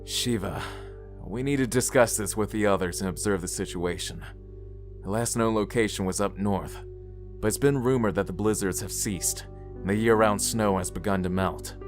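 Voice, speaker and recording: A man's voice: fairly low pitch, normal speed, lightly acted. Man acting grumbling young prince, wry. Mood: serious. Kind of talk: fan audio drama acting. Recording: music playing behind. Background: music.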